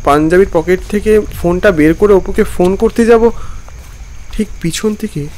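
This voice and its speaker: A man playing a weary traveller who narrates his own animated ghost story expressively. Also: sits high, moderate pace, natural voice. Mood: uneasy. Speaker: narrator and main character. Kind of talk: dramatized first-person horror narration.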